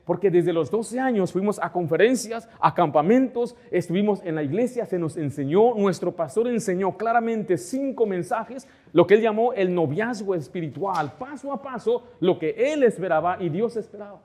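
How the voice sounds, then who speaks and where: A man's voice: high-pitched, expressive, moderate pace, few pauses, darkish tone. A middle-aged man pastor preaching a sermon in church, asking the congregation rhetorical questions and acting out quoted conversations.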